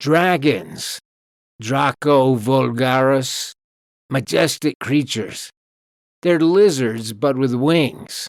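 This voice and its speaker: Putting on a character voice at a medium pitch, a man speaks very slowly with long, frequent pauses on a very clean recording with a silent background. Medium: read story. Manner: casual, folksy.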